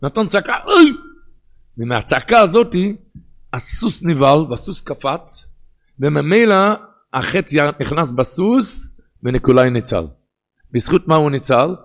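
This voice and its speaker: A man with an Ashkenazi Hebrew pronunciation giving a sermon in a sing-song study cadence that swings between loud and hushed. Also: on the high side, lively intonation.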